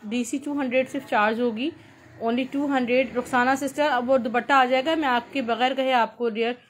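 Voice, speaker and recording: A woman with a Pakistani accent hosting an informal live shopping sale, pitching repetitively and mixing in English words. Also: steady tone, normal speed, slight background noise, low-quality recording. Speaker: live-sale host selling clothes.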